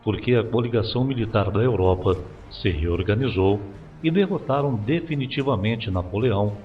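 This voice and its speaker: A male history teacher giving steady, formal scripted narration for a video lesson. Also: fairly low pitch, a little fast. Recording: dull lo-fi voice-over with loud music.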